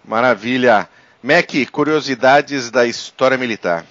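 Man, Brazilian accent, podcast host, mid-pitched voice, casual introductions, slightly dull lo-fi recording. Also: measured pace, a bit bright.

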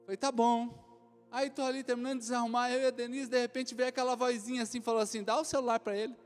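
A Brazilian man with an unusually high voice preaches a sermon. He tells lively stories and acts out the people in them. The sound rings out with a long hall echo, and soft music plays behind him. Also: quick pace. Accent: Brazilian Portuguese. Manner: animated storytelling, acts out other voices, laughs often. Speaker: pastor. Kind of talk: sermon with acted anecdotes.

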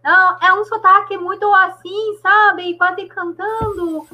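High bright woman telling a story. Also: steady tone, slow. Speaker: live stream participant. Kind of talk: casual chat on a video call.

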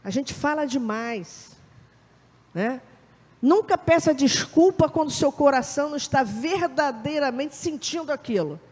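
Female spiritual leader, lively talk to her congregation, acts out the voices she quotes, echoing hall. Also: high voice, unhurried. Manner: animated, acts out quoted voices, often asks "né?". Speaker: Umbanda spiritual leader giving a lecture. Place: temple hall. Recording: reverberant hall.

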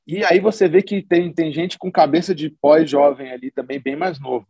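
A man with a gravelly, husky voice talks about his music career in a loose, rambling way. He uses plenty of slang and often restarts his sentences, like a relaxed musician in a casual interview. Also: a little high, normal speed, no echo. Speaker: musician guest.

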